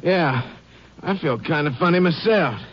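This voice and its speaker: A man's voice: a little high, lively intonation, unhurried. A man playing a sick, anxious rancher and father in a 1950s radio drama, unsteady and plain-spoken. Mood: groggy, uneasy. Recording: muffled, hissy old radio recording.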